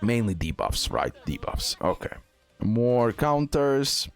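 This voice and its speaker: A man's voice: medium pitch, very animated, slow pace, faint music behind. A man who speaks English as a second language gives casual gameplay commentary, often repeating words and phrases for emphasis. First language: not English. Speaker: gaming content creator.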